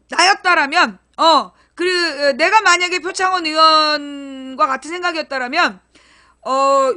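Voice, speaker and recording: A woman with a very high voice talks straight to her live-stream audience, blunt and crude in her wording. Her tone is bright and forceful, and she slips into loud acted-out scenes to make a point. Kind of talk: casual live-stream chat.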